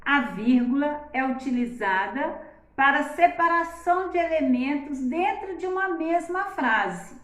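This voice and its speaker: A woman, teaching a class and speaking in a slow, deliberate way, exaggerating the intonation of her examples and often adding "né?". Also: high-pitched, animated, fairly bright tone, reverberant.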